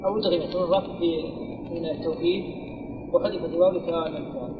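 Man, student reply, hesitant, high flat voice, phone-like sound, long reverb. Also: racing, background noise. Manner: hesitant recitation of a grammar answer. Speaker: student answering.

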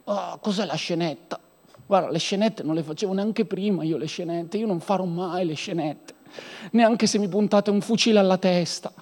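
A man preaching a lively sermon, acting out people in comic voices. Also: normal speed. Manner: animated, mimics people in high comic voices. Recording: long hall reverb.

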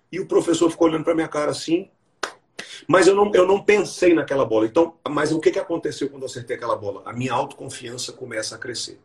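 A man who teaches English, hosting a live podcast chat and explaining his method with lively stories. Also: fairly high pitch. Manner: explanatory, enthusiastic storytelling.

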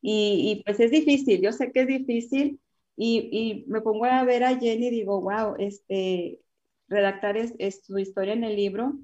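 A woman's voice: fairly high pitch, steady tone, moderate pace, mellow, highs cut off. A woman hosting a casual panel chat, chatty and full of fillers and exclamations. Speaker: host.

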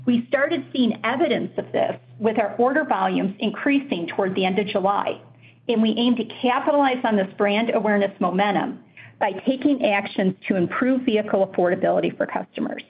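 A woman reads through financial figures in a steady, formal manner, presenting a company's quarterly results. Her voice is mid-pitched and even. The audio is a little muffled and lacks crispness. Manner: measured, formal reading of figures. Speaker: finance executive on earnings call. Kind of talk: scripted financial report.

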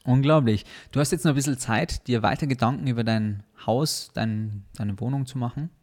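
A man's voice: medium pitch, moderate pace, darkish tone. A man co-hosting a podcast, upbeat and talking straight to his listeners. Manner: upbeat, addresses listeners directly. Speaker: podcast co-host. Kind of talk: casual podcast chat.

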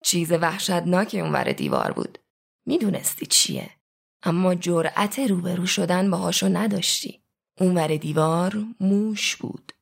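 A calm, menacing male interrogator, read by a woman. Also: lowish voice, creaky, pitched below the performer's own voice, exaggerated voice. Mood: cold, menacing.

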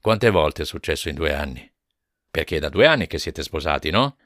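A man reading a grave, low-voiced police inspector. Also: brisk, dry recording, studio quality. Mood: probing. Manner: calm, clipped questioning.

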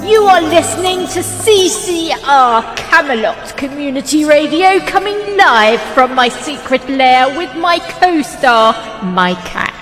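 Woman as high, gloating radio villainess. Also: animated, unhurried, few pauses, fairly bright tone. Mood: gloating, showy. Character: theatrical, gloating villainess hosting radio from her lair. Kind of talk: pantomime radio-show presenting. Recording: reverberant hall, music behind.

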